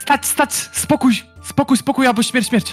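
A put-on character voice, high-pitched, squeaky and shrill, speaks at a moderate pace with faint music in the background. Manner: shouting, threatening.

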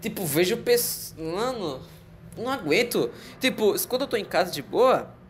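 Someone with a Brazilian accent speaks at a fairly slow pace. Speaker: podcaster. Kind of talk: casual solo monologue.

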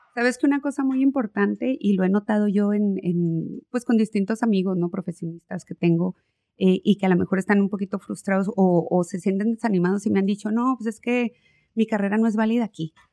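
At a fairly quick pace, a woman speaks at medium pitch with ordinary pitch variation and a dark, mellow tone, the sound dry and close with no echo. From Mexico, Chihuahua. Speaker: podcast guest, bilingual professional. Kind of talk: casual chat.

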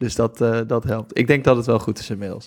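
A man talks fairly quickly, his medium-pitched voice carrying fairly even intonation. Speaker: work-from-home dad, podcast co-host. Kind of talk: casual chat.

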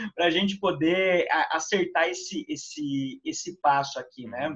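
A man's high-pitched voice. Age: 30s. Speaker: parliamentary aide and youth speaker. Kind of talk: podcast interview.

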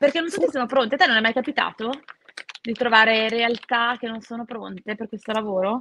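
A woman at a fairly quick pace, her loudness swinging widely, with ordinary pitch variation and a dry, close sound with no echo. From Milan, northern Italy. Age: 30s. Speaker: food blogger. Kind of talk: casual chat.

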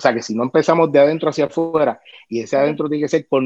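A man with a fairly high pitch has a plain, everyday voice and fairly even intonation. The sound is dry and close with no echo, over a quiet background. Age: 40s. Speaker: father sharing life story. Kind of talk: interview testimony.

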